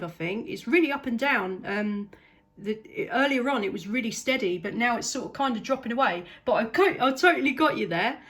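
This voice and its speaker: A woman's voice: fairly high pitch, a bit bright. A woman operating a CB radio, chatting casually and enthusiastically with other operators. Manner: enthusiastic, appreciative. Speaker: CB radio operator, channel host. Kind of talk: casual radio contact chat.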